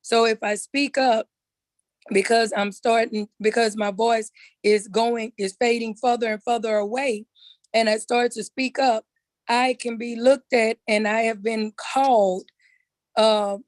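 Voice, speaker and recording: Council member, female, hoarse and raspy, slightly high voice, earnest measured delivery with fillers, dry home video-call sound. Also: fairly even intonation, no echo. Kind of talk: virtual meeting comment. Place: living room with high ceiling at home.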